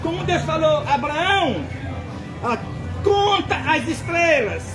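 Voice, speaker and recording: A man with a Brazilian accent preaching an impassioned end-times sermon, often shouting and repeating words for emphasis. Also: very high voice, expressive, takes it slowly. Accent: Brazilian Portuguese. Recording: loud music and crowd noise behind.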